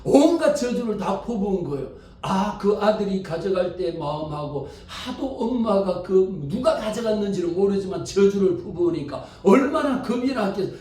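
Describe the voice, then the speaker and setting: A male pastor preaching a Sunday sermon with animated storytelling and frequent rhetorical questions, in a church sanctuary. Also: high voice, moderate pace. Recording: far mic in very echoey hall.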